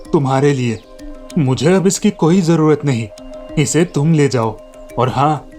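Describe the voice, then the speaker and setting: A man voicing a tired, kindly old village man who speaks slowly and gently. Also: on the high side, lightly acted. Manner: slow, gentle and weary.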